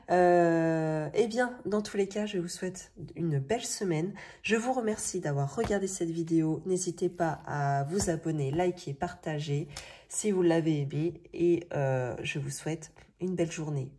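A woman in her thirties with a French accent chats casually, thinking aloud in colloquial speech with a slightly rough morning voice. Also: on the low side, unhurried, dark tone. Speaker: budgeting video host. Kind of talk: casual chatty vlog narration. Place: indoors at a table. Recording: noisy home recording with clicks.

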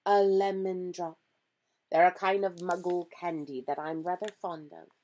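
A woman voicing a gentle, courtly old male wizard in a storybook, speaking in a genial, measured way. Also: fairly low pitch, fairly even intonation, pitched above the performer's own voice, natural voice. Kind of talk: storybook character reading.

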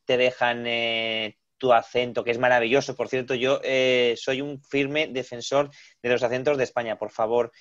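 A man's voice: mid-range voice, little pitch movement, normal speed, a bit bright, highs cut off. A man interviewing an actress in a playful, enthusiastic, teasing way. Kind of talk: casual interview chat.

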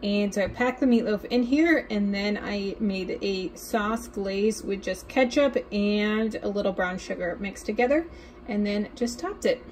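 A woman's voice: medium pitch, measured pace, darkish tone. Chatty young woman vlogging meal prep. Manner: chatty, talks baby-talk to her cats. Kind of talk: casual meal prep vlog narration. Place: home kitchen, indoors. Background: faint household appliance hum.

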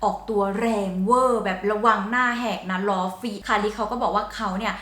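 A woman's voice: medium pitch, fairly even intonation, fairly quick, echoey room, noisy background. A woman hosting a channel, explaining song lyrics and slang in a chatty, playful way. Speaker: song translator, channel host. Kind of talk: casual explaining lesson.

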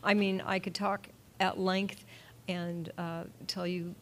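An older woman with a somewhat low voice speaks at a table mic on a panel. She gives frank, emphatic advice. A faint low rumble runs underneath. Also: flat delivery, slow pace. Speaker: panel guest, actress. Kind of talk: casual panel chat. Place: indoor meeting room at a panel table. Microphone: table mic on stand.

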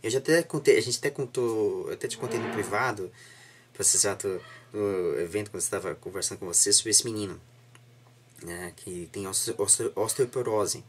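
A young man with a Brazilian accent and a slightly husky voice, chatting reflectively as an interviewer, repeating and rephrasing himself earnestly. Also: on the low side, brisk, a little hiss or hum. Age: young adult. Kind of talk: casual reflective interview chat. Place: small home room indoors, seated on a sofa.

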